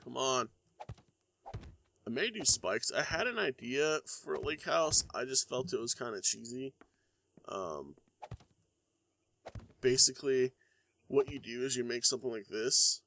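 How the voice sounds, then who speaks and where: Young male gaming YouTuber, nasal from a cold, lively up-and-down delivery, lots of fillers. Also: mid-range voice, measured pace, creaky, long pauses, slight background noise. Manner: rambling, many ums and uhs. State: congested from a cold. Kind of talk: casual let's-play commentary.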